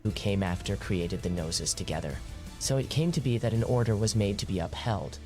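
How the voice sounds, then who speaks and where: A man performing a solemn male storyteller for a fantasy video game. His voice sits fairly low and delivers formal scripted narration over soft music. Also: brisk, natural voice.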